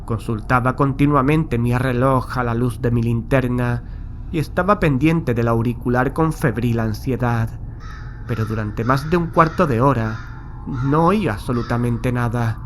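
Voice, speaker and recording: A man's voice: mid-range voice, a little slow, close to an everyday voice. A haunted man from played by an actor tells his horror tale in a mid-range voice. His delivery is grave, literary and anxious, over a faintly noisy night backdrop. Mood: tense, foreboding. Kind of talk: first-person horror audiobook narration. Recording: faint night ambience behind the voice.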